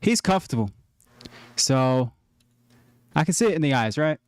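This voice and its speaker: A man's voice: mid-range voice, expressive, moderate pace, clear, resonant tone, no echo. Joking male streamer, dry sound. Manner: joking, chatty, talks to viewers. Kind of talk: casual reaction commentary.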